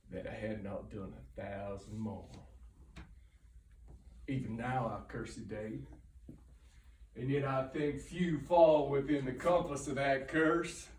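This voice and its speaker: A man playing a remorseless stage villain who relishes his evil deeds, swinging between hushed menace and drawn-out roaring in a theatrical monologue. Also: medium pitch. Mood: quiet menace. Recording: roomy sound, far from microphone.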